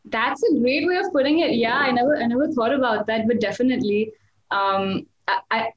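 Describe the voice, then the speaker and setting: A young woman, a singer-songwriter, chats casually over a webcam video call from a small room at home, her voice a little high and brisk. She's self-deprecating and full of restarts and fillers, and the sound is reverberant and lo-fi.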